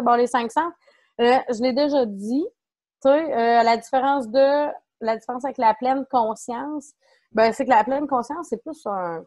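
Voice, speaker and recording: Québécois woman presenter, fairly high, dry close sound, loose and chatty. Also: darkish tone, dry recording. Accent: Québécois French. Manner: chatty and informal, many fillers and self-corrections. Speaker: farm community support worker. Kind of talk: online workshop presentation.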